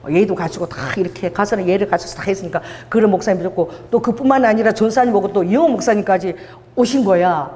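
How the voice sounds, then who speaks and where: A woman pastor telling an animated story during a sermon, laughing at times. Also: mid-range voice, quick pace, long reverb tail. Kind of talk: sermon testimony. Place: church hall.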